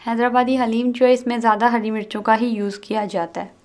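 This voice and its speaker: A woman host narrating a cooking video, calmly explaining each step and mixing in English words. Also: fairly high pitch, quick pace. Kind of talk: recipe voice-over narration.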